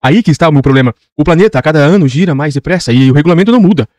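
A man voicing a tired, dutiful lamplighter who speaks in a flat, resigned way. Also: on the high side, very fast, no room sound, lightly acted.

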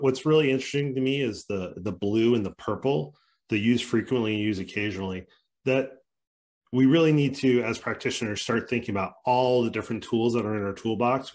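A man speaking as a panelist over a video call, earnest and giving practical examples. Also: on the low side. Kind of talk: webinar panel discussion.

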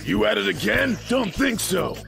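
A man voicing a big, suspicious elder-brother bear in a cartoon, with a gravelly, commanding delivery. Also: high voice, expressive, normal speed, exaggerated voice. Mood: wary. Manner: commanding, distrustful. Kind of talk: exaggerated cartoon voice acting. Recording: loud music behind.

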